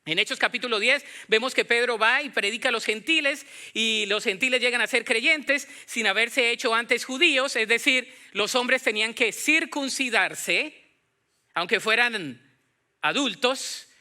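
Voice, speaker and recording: High, bright-voiced Latin American man preaching. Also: unhurried. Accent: Latin American Spanish. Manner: animated, acts out imagined dialogue, questions the congregation. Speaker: pastor preaching. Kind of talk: conversational Bible-teaching sermon.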